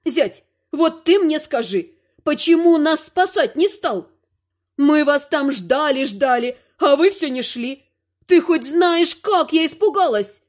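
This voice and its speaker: A man voicing a sharp-tongued, bossy old grandmother who scolds and shouts. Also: very high-pitched, sing-song, moderate pace, pitched above the performer's own voice, heavily acted. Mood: reproachful.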